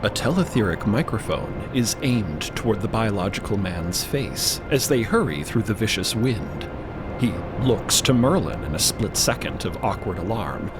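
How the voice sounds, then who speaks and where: A man's voice: fairly low pitch, expressive, moderate pace. A man narrating a scripted audio drama as a storyteller. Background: music bed.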